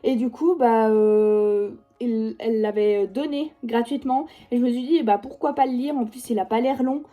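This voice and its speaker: A woman's voice: fairly high pitch, moderate pace, phone-quality sound. A young woman around eighteen with a Swiss French accent, chatting casually and rambling about her reading pile with constant fillers. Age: young adult, about 18. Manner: rambling, heavy with fillers like genre and du coup. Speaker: book vlogger. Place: at home by her bookshelf.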